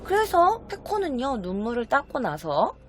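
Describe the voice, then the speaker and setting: Woman telling a spooky tale, lively pitch. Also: moderate pace, a little hiss or hum. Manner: chatty, animated, acts out short quoted voices. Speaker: YouTube storyteller. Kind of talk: casual spooky storytelling.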